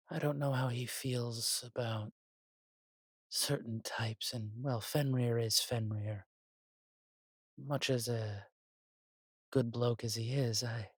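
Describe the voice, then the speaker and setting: Man playing a husky, unhurried, fussy angel. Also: mid-range voice, darkish tone, dry recording, studio quality. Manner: musing, theatrical, drawn-out asides. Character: chatty, fussy, coffee-loving male angel, teasing elder brother. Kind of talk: audio drama acting.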